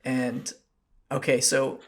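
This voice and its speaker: A man's voice: medium pitch, completely flat delivery, slow. A young man co-hosting a podcast, talking in a loose, rambling, jokey way. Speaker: podcast co-host. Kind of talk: casual podcast chat.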